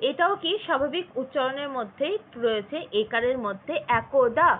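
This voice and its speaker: A woman teacher giving an online grammar lesson, explaining slowly and spelling words out letter by letter. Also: sits high. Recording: tinny phone-like audio.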